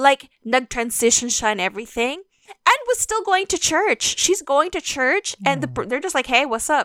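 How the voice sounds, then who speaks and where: A woman speaks at a high pitch with very wide pitch swings and hardly any pauses. Her pace is moderate, and the sound is dry and close with no echo. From Philippines. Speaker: podcast host. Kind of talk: casual chat, react commentary.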